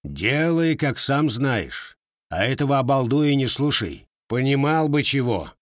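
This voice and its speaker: Man doing a gruff old Cossack grandfather. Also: medium pitch, sing-song, unhurried, no echo, clean studio sound, pitched above the performer's own voice. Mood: stern. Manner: gruff, growling.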